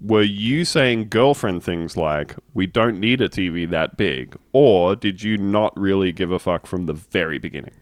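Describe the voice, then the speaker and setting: A man's voice: deep voice, moderate pace, few pauses, dry recording, studio quality. A man hosting a comedic podcast chat, telling stories in a mock-formal way.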